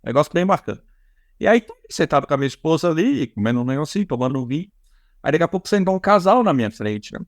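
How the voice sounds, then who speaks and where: A man's voice: on the high side, big pitch swings, quick pace, no echo, studio quality. Rambling Brazilian man hosting a podcast. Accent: Brazilian Portuguese. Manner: rambling, many restarts and repeated fillers. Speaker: podcast host. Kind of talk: casual conversational interview.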